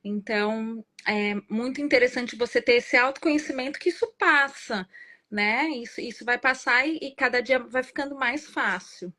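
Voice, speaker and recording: A woman's voice: fairly high pitch, moderate pace, bright, forceful tone. A Brazilian woman guest speaking in an earnest, explanatory way and often tagging her phrases with "né?". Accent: Brazilian Portuguese. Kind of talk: reflective interview conversation.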